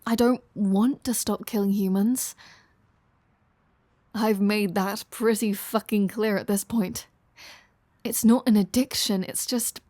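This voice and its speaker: A woman's voice: medium pitch, warm tone, no room sound. A woman playing a flirty, sardonic, foul-mouthed vampire in an intimate roleplay audio drama. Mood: defensive, exasperated.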